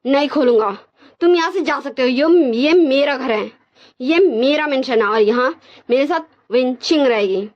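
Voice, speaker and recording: A woman's voice: high-pitched, expressive, moderate pace. A woman voicing a cold, angry young male professor who talks harshly, in a dull lo-fi recording. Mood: shouting. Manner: harsh, shouting.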